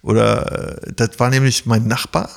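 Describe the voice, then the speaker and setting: A man's voice: medium pitch, flat delivery, normal speed, creaky. Rambling German guy telling a story. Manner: rambling storyteller, imitates others with raised voice. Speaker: podcast co-host. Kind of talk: casual chat, anecdote telling.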